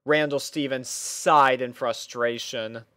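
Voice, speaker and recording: A man narrating a scripted story in a measured, mock-serious storytelling manner. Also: medium pitch, fairly even intonation, fairly bright tone, smooth, no room sound, studio quality. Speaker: fan fiction narrator.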